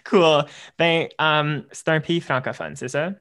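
A man's voice: fairly high pitch, fairly even intonation, slow, gravelly, fairly bright tone. A young man hosting a podcast, chatting loosely and slipping into English mid-sentence. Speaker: podcast host. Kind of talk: casual podcast chat.

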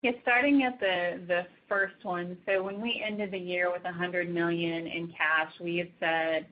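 Woman executive, lowish pitch, flat delivery, measured and businesslike, earnings call answers. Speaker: company executive answering analyst questions. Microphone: conference call. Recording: dull, lo-fi conference call line.

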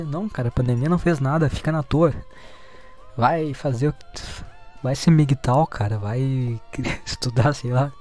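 A young man riffs on news articles in a loose, foul-mouthed, mocking way, breaking into laughter often. His voice sits at a middle pitch. Soft music plays quietly behind him. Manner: profane, sarcastic, laughs often. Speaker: streamer reacting to news. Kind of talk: casual commentary while reading news aloud. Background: faint music playing.

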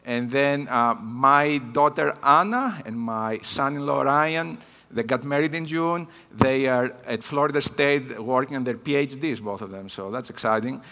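In a large church hall, a fiftyish man from Greece delivers a personal talk as the conference's guest missions speaker. His medium-pitched voice is sharp and measured in pace, carrying a Greek accent, and he leans on many hesitant fillers as a native Greek speaker.

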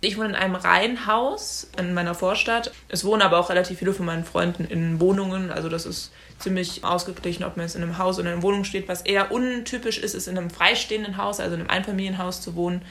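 A woman's voice: fairly low pitch, fairly even intonation, quick pace, hardly any pauses, a bit bright. An eighteen-year-old woman from Mannheim, speaking plainly and matter-of-factly in a casual podcast discussion. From Mannheim, Germany. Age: young adult.

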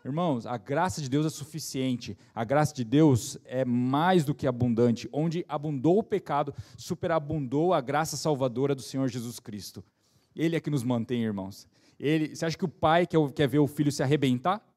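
Earnest male pastor with a mellow voice. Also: normal speed. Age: adult, has a son. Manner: earnest preaching, acts out worried believers in a higher voice. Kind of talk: sermon.

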